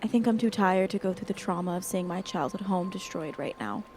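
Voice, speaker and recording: A woman's voice: on the low side, a little fast, darkish tone, a little hiss or hum, lightly acted. An actress playing a worried young woman in an audio drama, hesitant and subdued in a naturalistic way. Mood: shaken, weary. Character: worried young woman returning to her damaged hometown.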